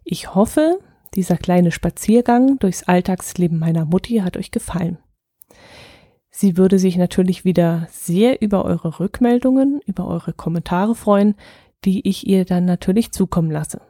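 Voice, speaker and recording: Woman's dry, mellow podcast outro. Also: fairly low pitch, moderate pace, dry recording. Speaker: podcast host. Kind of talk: scripted outro.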